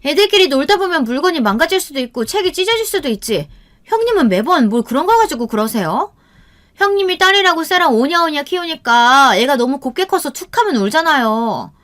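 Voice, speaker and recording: Woman acting shrill, brazen sister-in-law. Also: normal speed, hardly any pauses, a bit bright. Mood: scornful scolding. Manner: shrill, scolding, sarcastic. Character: brazen, haughty, scornful younger sister-in-law. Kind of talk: audio storybook drama.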